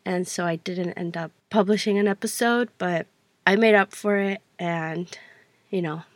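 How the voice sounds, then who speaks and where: A woman's voice: fairly low pitch, moderate pace, no room sound. A young adult woman hosting a podcast, talking casually and rambling with lots of fillers, her voice stuffy from allergies. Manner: chatty, rambling, self-correcting with many fillers. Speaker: podcast host. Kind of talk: casual solo podcast talk.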